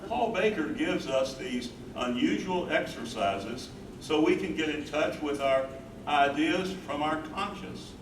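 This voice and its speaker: A man's voice: on the high side, expressive, measured pace. Man acting earnest young student, distant and roomy. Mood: earnest, longing. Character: earnest, smitten young male college student in the 1950s. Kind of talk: staged play reading. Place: indoor venue at a live staged reading. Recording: roomy, distant stage recording with clear noise.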